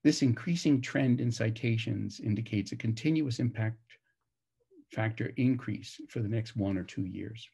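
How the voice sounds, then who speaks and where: With a husky, gravelly voice that's mid-range and mellow, this man delivers a prepared conference talk. He explains things formally and at a measured pace.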